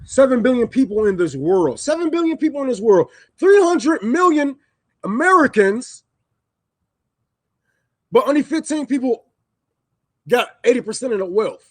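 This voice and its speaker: A man's voice: very high voice, sing-song, normal speed, pauses often, no room sound. A man on a livestream, ranting heatedly and with profanity, repeating lines for emphasis. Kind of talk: livestream rant. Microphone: microphone.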